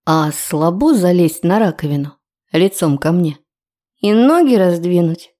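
A woman reading the part of a cocky, teasing young man in an audiobook, slow and low. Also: animated, warm tone. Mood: provoking.

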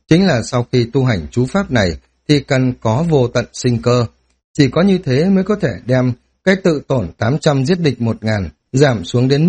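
A man voicing a young male cultivator who murmurs his thoughts in a measured, brooding way, read in an audiobook. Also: medium pitch, a little mellow, husky. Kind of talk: audiobook character reading.

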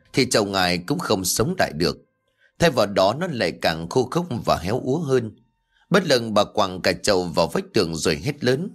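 Dramatic low-voiced male storyteller. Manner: dramatic, with sweeping pitch swings. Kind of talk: scripted horror story narration. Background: faint background music.

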